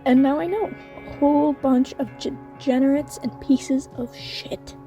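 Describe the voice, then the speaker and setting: A woman voicing a nostalgic yet blunt tribal-raised fighter in an amateur animated series. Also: high voice, a little slow. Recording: slightly distant mic under faint music.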